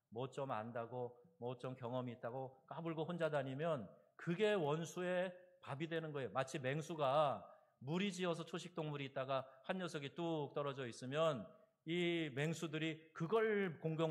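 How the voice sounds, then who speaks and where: A man in his thirties preaching a sermon as pastor, swinging between loud exhortation and quiet asides. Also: mid-range voice. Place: church sanctuary.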